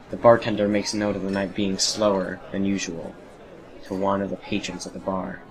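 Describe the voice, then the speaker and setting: A man narrating a horror story in a solemn, measured, dramatic scripted style. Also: deep voice, poor audio. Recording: home recording with background noise and ambience.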